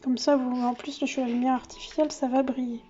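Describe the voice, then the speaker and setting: A woman with a high voice chats through a casual show-and-tell vlog from her home office. She talks easily, stumbles, corrects herself and fills gaps with little hesitations. The sound is a bit dull and lo-fi. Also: level tone, fast talker, mellow, slightly rough, soft background music. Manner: chatty, with many fillers and self-corrections. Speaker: craft vlogger. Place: home office under yellow artificial light.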